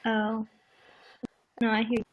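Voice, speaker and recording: A woman's voice: fairly high pitch, monotone, slow pace, highs cut off, noisy background. A woman guest on a casual livestream video call, telling stories animatedly and teasing playfully.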